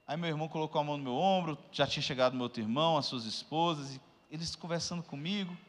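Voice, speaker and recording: A man in his thirties, a pastor telling a personal testimony in a sermon, swinging from hushed reflection to loud outbursts. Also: fairly high pitch, fast. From Brazil. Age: 30s. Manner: emotional storytelling, swings from hushed to shouting. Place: church hall. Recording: long church hall reverb.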